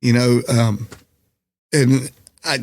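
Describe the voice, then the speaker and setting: A middle-aged man, a musician and comedian, talking candidly on a podcast in a slightly raspy voice, mixing jokes with reflection. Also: mid-range voice, steady tone, slow pace, a little mellow, no room sound. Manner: candid, reflective, jokey storyteller. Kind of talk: casual conversational interview.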